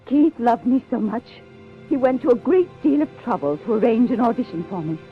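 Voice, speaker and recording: A woman playing an aging, passionate stage actress in a 1950s-style detective radio play, theatrical and halting. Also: a little high, animated, lightly acted. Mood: insistent. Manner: theatrical, halting with emphatic repetition. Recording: lo-fi radio drama, faint music.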